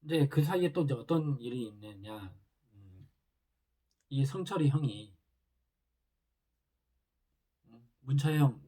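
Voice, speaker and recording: Husky-voiced man casually recapping a drama. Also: medium pitch, animated, normal speed, mellow. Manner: loose retelling with many fillers. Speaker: drama reviewer.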